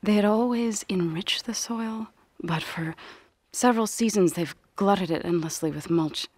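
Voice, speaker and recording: An actress playing a solemn, gentle tribal singer in a video game, speaking softly in measured, earnest, formal phrases. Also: female voice, mid-range voice, no echo, lightly acted. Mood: grave, worried. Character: solemn, gentle tribal woman, grave singer of a farming people. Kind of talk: video game character dialogue.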